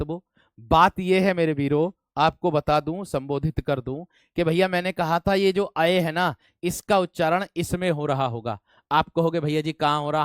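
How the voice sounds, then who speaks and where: A man's voice: a little high, smooth, no echo. A young man teaching an online Hindi exam-prep class, repeating points and coaxing students to confirm they understand. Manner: emphatic, voice rises when checking examples.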